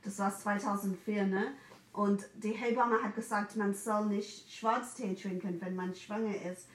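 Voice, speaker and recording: A woman in her forties from England with an English accent, chatting in German as a second language in an animated way and mixing in English words. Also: medium pitch, measured pace, recorded from a distance. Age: 40s. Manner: animated, mixes in English words, acts out quoted voices. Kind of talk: casual chat. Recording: echoey room, a bit off mic.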